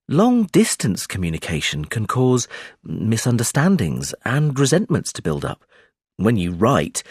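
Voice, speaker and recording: A young man from Brazil, a native Portuguese speaker, giving scripted sample exam answers in a lively, expressive way. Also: medium pitch, husky, no echo, clean studio sound. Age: young adult.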